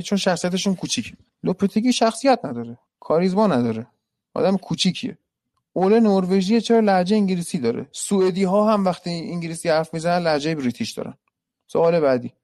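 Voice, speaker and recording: A man's voice: high-pitched, a little mellow, no echo, studio quality. A man analysing football on a live stream, reading viewer questions and giving blunt, opinionated answers.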